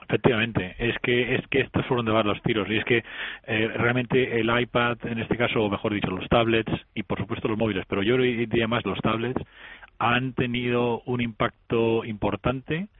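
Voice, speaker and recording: A man's voice: medium pitch, steady tone, moderate pace, no echo. Hesitant man on a phone line. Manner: hesitant, many fillers and restarts. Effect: heard over a telephone line. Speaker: guest on a radio tech show. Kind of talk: casual phone interview. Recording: narrow tinny phone line, dry.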